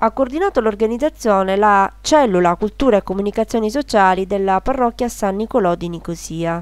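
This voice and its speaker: A woman's plain, everyday voice at a medium pitch, fairly quick with hardly any pauses and ordinary pitch variation, on a very clean recording with a silent background. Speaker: TV news reporter. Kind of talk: local TV news report narration.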